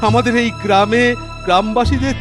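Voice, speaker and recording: Very high pleading village man voiced by actor. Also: steady tone, brisk, over music. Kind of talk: children's cartoon voice acting.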